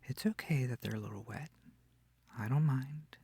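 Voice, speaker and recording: A man playing a kind, comforting incubus demon in an intimate ASMR roleplay, speaking softly and tenderly with hesitant, breathy reassurance. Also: medium pitch, normal speed, no echo. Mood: tender, soothing. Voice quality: breathy, often near whispering. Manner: soft, tender, hesitant, soothing. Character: gentle, comforting, shy-sweet male incubus demon.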